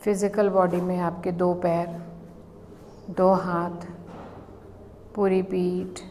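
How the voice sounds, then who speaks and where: A woman leads a guided meditation as an instructor, calmly giving instructions in short phrases with long pauses. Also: on the low side, a little hiss or hum.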